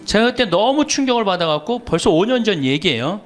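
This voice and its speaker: Lively high-voiced priest telling stories. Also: male voice, a little fast. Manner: animated storyteller, teasing questions to the audience, laughs often. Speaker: Catholic priest giving a lecture. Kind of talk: humorous lecture to a live audience.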